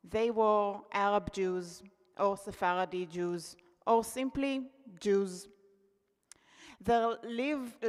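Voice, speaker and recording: At a poetry event in a hall, a contributor from Israel, a native Hebrew speaker, reads an essay she wrote. She keeps an unhurried, measured, reflective delivery at a middle pitch, and a long hall reverb follows each phrase.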